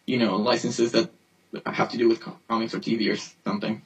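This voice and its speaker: A man's voice: medium pitch, little pitch movement, a little fast, breathy edge, far from the mic, low-quality recording. A man co-hosting a casual podcast chat, hesitant with many fillers, his call voice replayed through a speaker and picked up by a phone held up to it. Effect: remote call voice replayed through a speaker and picked up by a phone. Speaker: podcast co-host.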